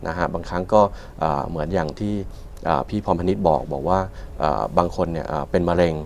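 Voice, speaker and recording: Male studio guest, very low pitch, hesitant delivery, noticeable background noise. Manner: hesitant, very frequent filled pauses. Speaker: panel guest. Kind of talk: explanatory panel talk. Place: television studio.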